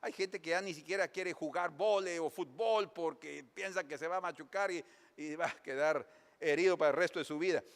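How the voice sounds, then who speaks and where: A man preaching a sermon as pastor, telling lively stories in a church. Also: a little high, fairly quick. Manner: lively storytelling preacher, animated. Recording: long church reverb.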